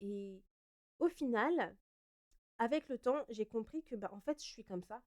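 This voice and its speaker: A young woman from France hosting her own podcast, answering listener questions in a relaxed, chatty way with frequent fillers and self-corrections. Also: a little high, unhurried. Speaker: podcast host. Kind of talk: casual solo Q&A podcast.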